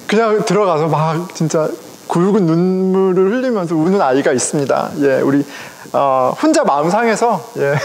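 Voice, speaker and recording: A middle-aged man, a pastor, preaching a sermon in a conversational, animated way, speaking directly to his congregation. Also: high-pitched. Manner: conversational, animated, chuckles often, addresses congregation. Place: church sanctuary. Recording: long reverb of a church hall.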